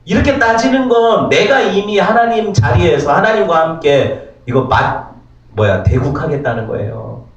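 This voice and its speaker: Male pastor, sermon, animated questioning delivery; distant, dull, roomy church recording. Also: on the high side, normal speed. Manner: animated, asks the congregation many rhetorical questions. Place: church sanctuary.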